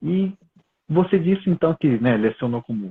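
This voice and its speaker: This man speaks with a Japanese accent. His pitch swings very widely. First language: Japanese (speaking Portuguese). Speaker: interviewer. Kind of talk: interview.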